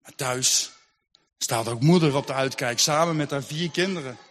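A man's voice: mid-range voice, normal speed, fairly bright tone. A man telling a Christian story in vivid, rhythmic narration. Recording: long hall reverb, faint music.

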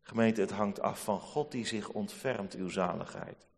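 A man preaching a sermon to his congregation, solemn and measured, rising to emphatic peaks. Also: lowish voice. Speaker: pastor. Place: church. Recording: long church reverb.

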